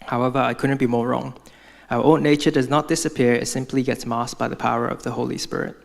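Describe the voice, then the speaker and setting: A man's voice: mid-range voice, fairly even intonation, quick pace, vocal fry. A young man from Hong Kong giving a prepared church testimony, speaking earnestly as if from notes.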